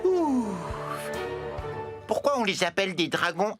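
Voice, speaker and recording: A man's voice: sits high, big pitch swings, measured pace. Timid male cartoon machine, childlike, naive, nervous, music behind. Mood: curious. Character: Ben, naive, timid, easily frightened male digging machine. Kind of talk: French-dubbed children's cartoon acting.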